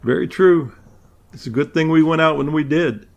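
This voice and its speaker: A man's voice: a little high, normal speed, creaky, a little mellow, muffled recording. A man playing a folksy, wry outdoor colleague in an amateur audio drama. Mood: wry concern.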